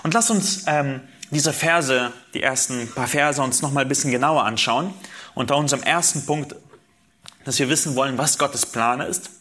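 A man's voice: mid-range voice, moderate pace, bright, forceful tone. A man preaching a sermon, asking rhetorical questions and reading Bible passages aloud. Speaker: pastor.

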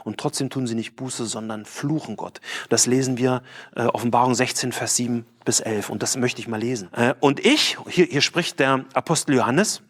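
A man's voice: mid-range voice, normal speed. A man preaching a sermon, earnest and emphatic, asking rhetorical questions and reading scripture with dramatic emphasis. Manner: quotes scripture with raised, dramatic voice.

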